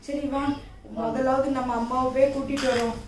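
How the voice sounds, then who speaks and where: Remorseful son played by a woman, pleading, high flat voice, echoey distant room. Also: fairly quick, a little hiss or hum, close to an everyday voice. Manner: pleading, apologetic. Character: remorseful grown son begging his mother home.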